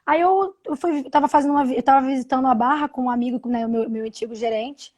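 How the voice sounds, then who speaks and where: Woman in her 30s, pretty high voice, keeps restarting her sentences, home video call. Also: a little mellow. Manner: halting, many restarts and repeated words. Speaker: interview guest. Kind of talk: personal story on a live video call.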